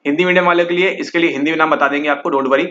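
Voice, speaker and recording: He races along in a fairly bright, higher-than-average voice with fairly even intonation, teaching exam questions in a Hindi-English mix. Constant check-ins and a steady stream of "ठीक है" fill his explanation, captured in slightly dull lo-fi sound.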